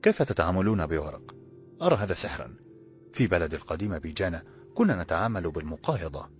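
A man voicing a gentle young woman from an old walled city, speaking in a formal, measured way. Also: sits low, very animated, faint music behind. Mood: calm. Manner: formal, measured classical speech. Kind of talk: audiobook character voice.

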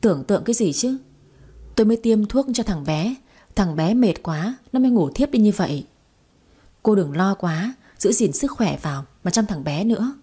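A woman voicing a brisk female hospital nurse who scolds and gives instructions, in an audio story. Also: medium pitch, lively intonation, warm tone, slightly rough.

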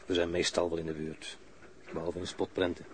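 Very deep-voiced, wry policeman. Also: a little mellow. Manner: clipped, matter-of-fact, wry. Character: calm, dryly humorous foreign male police officer. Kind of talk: radio drama acting, dialogue. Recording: noisy older radio drama recording.

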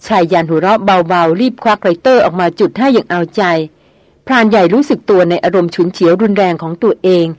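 A woman narrating a novel in a steady, even storytelling manner. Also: mid-range voice, fairly quick, no room sound. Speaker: audiobook narrator.

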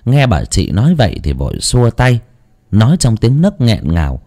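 Very expressive male storyteller. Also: fairly low pitch, moderate pace. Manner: expressive, dramatic reading. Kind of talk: audiobook narration.

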